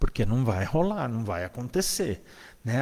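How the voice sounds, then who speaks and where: A man speaks in a soft-spoken way. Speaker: spiritist lecturer. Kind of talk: lecture. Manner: slow.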